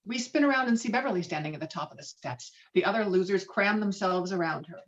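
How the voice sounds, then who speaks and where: A woman reads a screenplay's stage directions with drama, acting as narrator for a table read held over a video call. Her mid-range voice moves fast, and the audio is dull and lo-fi.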